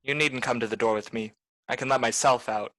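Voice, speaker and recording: A man's voice: medium pitch, fairly even intonation, a little fast, lightly acted. A man playing a wry, cynical private detective in a 1940s-style radio noir, talking in clipped slang. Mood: cool, sardonic.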